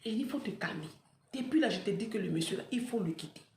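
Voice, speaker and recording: A woman's voice: medium pitch, lively intonation, fast talker, darkish tone, reverberant, a little hiss or hum. A woman vlogger speaking straight to her followers, retelling a painful story with dramatic flair and acting out the dialogue.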